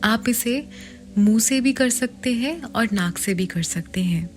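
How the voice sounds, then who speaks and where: An Indian woman leads a guided meditation at a very slow pace. Her delivery is soft and partly whispered, with long pauses between short, measured phrases. Music plays clearly behind her voice. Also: a little high.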